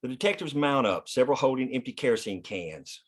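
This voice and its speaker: A man's voice: mid-range voice, expressive, fairly quick. A man reading stage directions as the narrator of a screenplay, in scripted narration.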